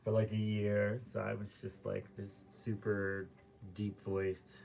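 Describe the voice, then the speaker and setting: A man's voice: on the low side, completely flat delivery, takes it slowly, creaky, darkish tone, slight background noise. A man, a painter hosting a live stream from his art studio, chatting casually and rambling through loose stories with lots of fillers as he paints.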